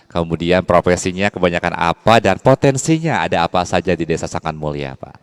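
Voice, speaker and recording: A male talk show host with a low, smooth and resonant voice, recorded close and dry. He speaks as he puts questions to guests. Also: lively intonation, brisk, dry recording. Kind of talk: radio talk show interviewing.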